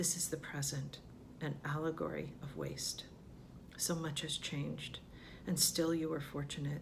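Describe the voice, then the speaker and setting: A woman talks in a very deep, low voice with vocal fry. Her delivery is fairly slow, with monotone, flat intonation. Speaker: real estate agent and poetry reader. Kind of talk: poetry reading.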